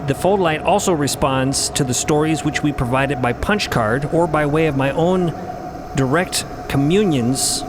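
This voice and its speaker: A man playing a solemn, commanding mystic of a ship, speaking in a formal, measured, didactic way in an audio drama. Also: natural voice. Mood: lecturing. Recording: rumbling vehicle-like background noise.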